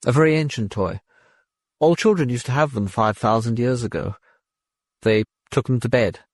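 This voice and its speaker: A man's voice: medium pitch, normal speed, no echo, lightly acted. A man plays an ancient patriarch in a science fiction audiobook. He is crusty and curt, dismissive and sure of his opinions. The recording is dry and close. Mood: matter-of-fact. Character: ancient, youthful-bodied man, gruff, impatient, dismissive ancestor.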